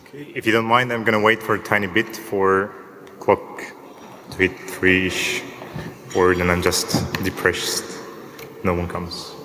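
A man speaks at a conference lectern, his fairly low voice bright and forward. He explains software in a relaxed way with the odd dry joke and quizzes the audience. The lectern microphone picks up the long reverb of a large hall. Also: a little slow, pauses often, a little hiss or hum. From Finland. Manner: relaxed, lightly joking, asks the audience show-of-hands questions. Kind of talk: technical conference talk.

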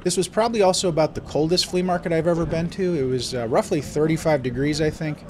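A man's voice: fairly high pitch, quick pace, darkish tone. A man with a stuffed-up voice from a cold, chatting easygoingly as he narrates his flea market vlog.

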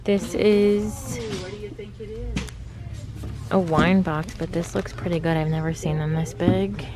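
Over music, a woman in her thirties speaks slowly with a fairly low, mostly even voice through her face mask. Browsing store shelves with a handheld phone camera, she chats and muses aloud amid the noisy indoor ambience.

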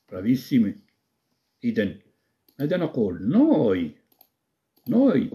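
A man with a Moroccan Arabic accent teaches Italian during a live stream. His voice is medium-pitched and dark, and he repeats words slowly, quizzes his viewers, and praises their answers.

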